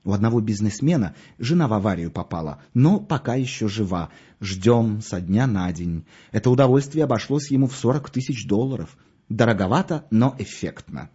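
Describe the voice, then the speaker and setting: A man voicing a smooth-talking middle-aged undertaker who gushes over his wares. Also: lowish voice, expressive, moderate pace, warm tone, dull audio. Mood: boastful. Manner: salesman's patter, swooping with enthusiasm. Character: oily, gushing middle-aged male undertaker.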